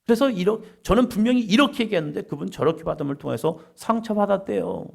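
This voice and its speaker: Gravelly-voiced man preaching gently. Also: high-pitched, animated, fast. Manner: gentle, conversational preaching with frequent rhetorical asides. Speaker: pastor. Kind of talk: conversational sermon at a daily prayer meeting.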